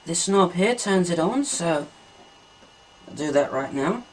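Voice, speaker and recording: Woman with a low mellow voice, calmly walking through a home gear demo, faint hum behind. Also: measured pace, poor audio. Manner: calm step-by-step explaining while handling equipment. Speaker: hobbyist vlogger. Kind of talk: casual demonstration narration. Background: faint machine hum.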